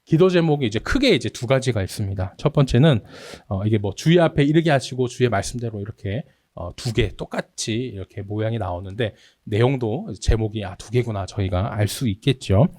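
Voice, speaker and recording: Expressive male pastor preaching. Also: on the low side, a little fast, few pauses, no echo. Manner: expressive preaching, acts out anguished prayers in a raised voice. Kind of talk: sermon. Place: church sanctuary.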